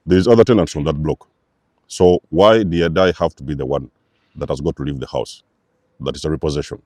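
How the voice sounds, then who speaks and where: A man's voice: a bass voice, dark tone, no echo, clean studio sound. A man hosting a spiritual channel, giving an emphatic, repetitive preacher-like talk to his viewers. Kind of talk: spiritual teaching monologue.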